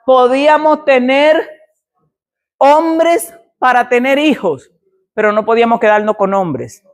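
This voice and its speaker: A woman's voice: sits high, expressive, unhurried. Woman pastor preaching a dramatic testimony. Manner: dramatic storytelling, acts out quoted dialogue. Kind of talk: sermon with personal testimony.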